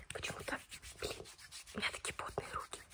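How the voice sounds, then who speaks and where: A woman whispers at a very fast pace. Her delivery is soft-spoken. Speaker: ASMR creator. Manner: soft close ASMR whisper. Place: home room. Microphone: phone near.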